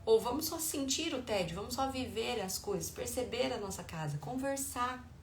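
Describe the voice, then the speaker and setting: A woman's voice: on the high side, animated, normal speed. A middle-aged woman with a Brazilian Portuguese accent talks parents through advice as a parenting educator. She explains patiently, at times acting out what she says to her children. The room is echoey with a faint hum of ambient noise behind her. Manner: warm explanatory tone, acts out dialogue with her children.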